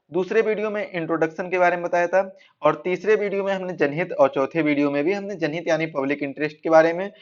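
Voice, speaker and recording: High-voiced male instructor, muffled audio. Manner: repeats and rephrases points. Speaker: exam-prep instructor. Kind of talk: explanatory online lecture. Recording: dull, lo-fi band-limited audio.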